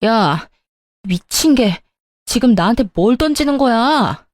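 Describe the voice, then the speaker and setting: A woman voicing a spoiled, whiny sister-in-law who makes petulant, shrill demands in a dramatized story. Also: lively intonation, slow pace, a little mellow, no room sound, studio quality. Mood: enraged.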